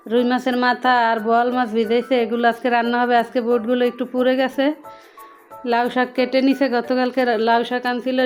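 A woman with a Bangladeshi accent giving a casual voice-over for a home vlog. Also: a little high. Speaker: home vlogger. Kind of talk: casual voice-over narration of a daily cooking vlog. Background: background music.

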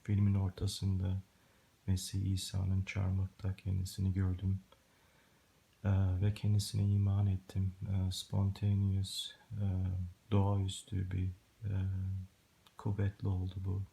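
Low monotone man, halting broken Turkish. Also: gravelly. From Germany, born and raised. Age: middle-aged. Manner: halting, broken Turkish of a long-time emigrant, searching for words. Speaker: Christian testimony video maker. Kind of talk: personal religious testimony to camera. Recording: hissy home recording with clicks.

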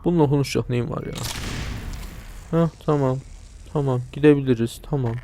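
A man's voice: mid-range voice, fairly quick, mellow, slight background noise. A young man casually commenting on a video game, joking and talking back to the characters and the viewers. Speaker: let's play commentator.

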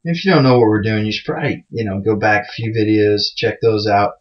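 Speaking a little fast in a lowish voice, a programming tutorial host keeps his screencast loose and chatty, teasing himself and using lots of fillers. The recording has a dull lo-fi mic sound.

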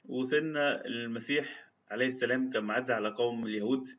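A man's voice: medium pitch, fast, fairly bright tone. A man with an Egyptian Arabic accent giving a storytelling religious talk, retelling old anecdotes and reciting quotes in formal classical Arabic. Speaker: religious speaker. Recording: slightly dull lo-fi sound.

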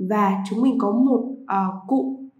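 A woman teaching a vocabulary lesson to pupils, repeating each English word slowly before explaining it. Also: mid-range voice, warm tone, roomy sound, muffled recording.

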